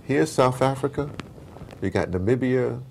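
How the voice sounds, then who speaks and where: Gravelly and mid-range at a moderate pace, this interviewee launches into impassioned, slangy political commentary, asking rhetorical questions. He tells stories emphatically, playing out dialogue, with slight background noise.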